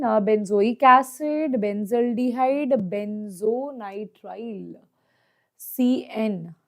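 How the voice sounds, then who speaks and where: A woman with a South Asian accent teaching an exam problem lesson step by step, often checking that students follow with short questions. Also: fairly high pitch. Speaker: chemistry teacher.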